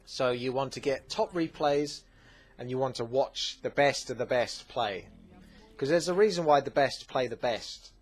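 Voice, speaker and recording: A man with an Essex accent, hosting a gaming channel, answering viewer questions in a relaxed, chatty way with plenty of fillers. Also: medium pitch, normal speed, soft background music. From England. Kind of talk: casual Q&A commentary.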